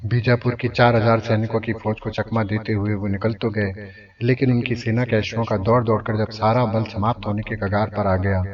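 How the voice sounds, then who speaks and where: A man's voice: fairly low pitch, level tone, normal speed. A man narrating a scripted historical story in a formal, dramatic manner. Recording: distant, dull lo-fi, crowd noise behind.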